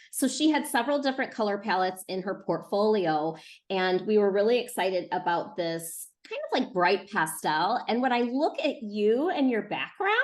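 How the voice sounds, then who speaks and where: Woman hosting an online Q&A. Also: mid-range voice. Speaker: host, book publisher's representative. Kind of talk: hosting a casual online author Q&A. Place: remote video call.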